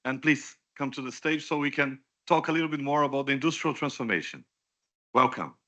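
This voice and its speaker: A man hosting a conference session, halting and repeating words as he introduces the panel. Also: medium pitch, a bit bright. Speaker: session host. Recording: dull, muffled sound.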